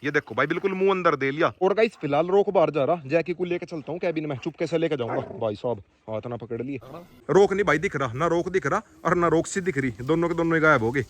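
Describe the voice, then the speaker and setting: A man, talking casually to his viewers while he walks his dog farm and shouts to his dogs. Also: on the high side, quick pace. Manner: calls out loudly to his dogs. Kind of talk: casual vlog commentary.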